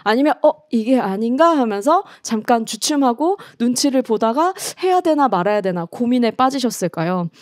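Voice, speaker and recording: A woman evangelist preaching to a youth group in a lively storytelling style, asking questions and calling the teens by name. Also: fairly high pitch, normal speed, few pauses, no room sound, studio quality. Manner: lively storytelling, acts out scripture quotes; asks the teens questions and calls them by name. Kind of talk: youth sermon over video call.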